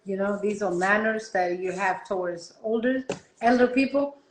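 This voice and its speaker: A woman talking in a relaxed, reflective way, often trailing off softly. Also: mid-range voice, normal speed, roomy sound, a little hiss or hum, poor audio. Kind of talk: casual conversation.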